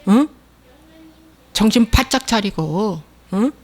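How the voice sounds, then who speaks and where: A woman pastor preaching a fervent sermon and prayer, shouting calls for amen and then dropping to soft pleading. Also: medium pitch, expressive, takes it slowly.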